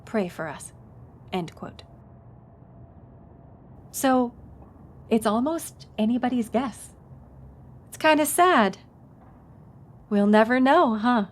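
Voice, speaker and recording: A woman's voice: a little high, expressive, slow, long pauses. A woman playing a friendly, knowledgeable historic house tour guide in an audio roleplay, speaking in an informative, conversational way. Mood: solemn reading, then wistful. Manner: conversational, informative, engages the listener with questions.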